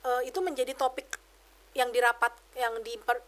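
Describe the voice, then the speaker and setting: A woman giving a personal testimony on a podcast, telling her story in a lively, slangy way and dropping in English phrases. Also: a little high, normal speed. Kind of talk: personal testimony, casual chat.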